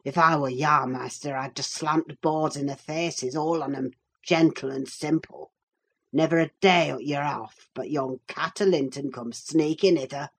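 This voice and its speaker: A woman putting on a croaking sour old manservant. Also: low voice, measured pace, exaggerated voice. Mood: spiteful. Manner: croaking, spiteful. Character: grumbling sour old male servant.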